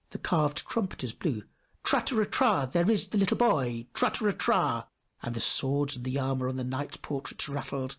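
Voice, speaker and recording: A man narrating a fairy tale from a script in an expressive, theatrical manner, often hushing his phrase endings. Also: mid-range voice, slightly rough. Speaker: storybook narrator.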